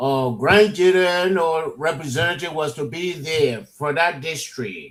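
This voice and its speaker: With a Liberian accent, a man speaks at a fairly high pitch and varies it in an ordinary way. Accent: Maryland County Liberian. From Liberia, Maryland County. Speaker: panelist on political talk show. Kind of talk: live talk show discussion.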